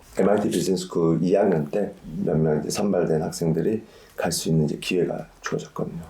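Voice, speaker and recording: Noticeable background noise is present throughout. A man talks at a moderate pace. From South Korea. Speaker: hedge fund executive, reality show cast member. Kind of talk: interview.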